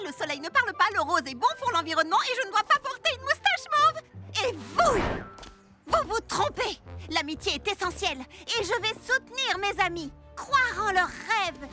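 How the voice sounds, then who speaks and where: A very high, animated young girl's voice for a children's cartoon. She is earnest, plucky and expressive, quick to exclaim, with music playing clearly behind her. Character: plucky young cartoon girl, earnest, excitable, loyal friend. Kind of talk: French animated series dub.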